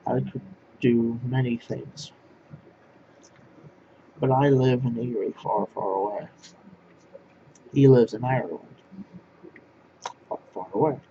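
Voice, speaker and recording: A man from northwest Pennsylvania, talking to camera in a halting, rambling monologue that keeps restarting its phrases. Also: medium pitch, mellow. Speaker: language vlogger. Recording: dull lo-fi sound with clear background noise.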